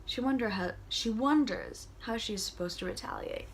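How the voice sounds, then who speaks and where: A woman's voice: on the high side, lively intonation, moderate pace, creaky. A young woman reading a novel aloud, casual and enthusiastic, with chatty asides and small stumbles. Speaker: audiobook reader.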